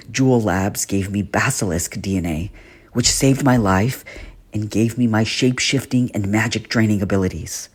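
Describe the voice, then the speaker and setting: A man acting a husky, earnest, haunted guardian. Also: on the low side. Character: gentle guardian teacher, male shapeshifter haunted by a painful past. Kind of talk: dramatic character monologue for a voice reel.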